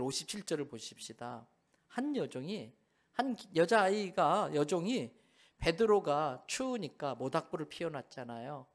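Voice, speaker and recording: A male pastor preaching a sermon in a church sanctuary, telling a story with animation and firing questions back at the congregation. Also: on the high side.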